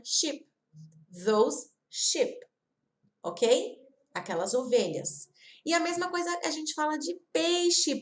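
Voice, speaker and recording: A woman from Brazil teaching an online English lesson, repeating example words slowly and talking straight to her viewers. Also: high-pitched. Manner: slow, careful repetition of example words; chatty, addresses viewers directly.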